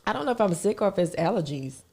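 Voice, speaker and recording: A woman co-hosting a podcast in casual chat, her voice raspy from being under the weather, talking chattily and laughing often. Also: mid-range voice, expressive, fast, a little mellow. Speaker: podcast co-host.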